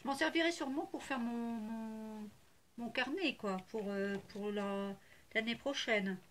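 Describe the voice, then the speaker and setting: A crafting vlogger chats casually to camera while showing off her craft haul, gushing, repeating herself, and hesitating with lots of fillers. Her voice is a little high and her pace measured, with slight background noise.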